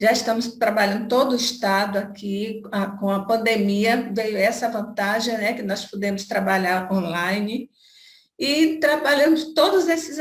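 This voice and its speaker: Against audible room echo, a woman speaks fairly slowly at a fairly high pitch, somewhat breathy, with lively intonation. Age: 70s. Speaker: participant in online meeting. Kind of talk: question from audience in online meeting. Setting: video call.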